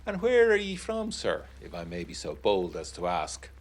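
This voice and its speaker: A man's voice: deep voice, wildly swooping pitch, normal speed. A man voicing a prying young country lad, mock-deferential and needling. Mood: sly, probing.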